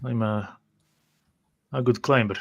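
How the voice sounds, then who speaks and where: A man's voice: mid-range voice, fairly even intonation, slow, vocal fry, dull audio. A man taking part in a tabletop roleplay game as one of the players.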